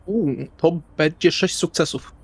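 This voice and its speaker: A man playing a tabletop RPG, narrating his character's actions in the first person in short, deliberate phrases. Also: a little high, husky. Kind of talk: first-person roleplay narration over game session. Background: soft guitar music.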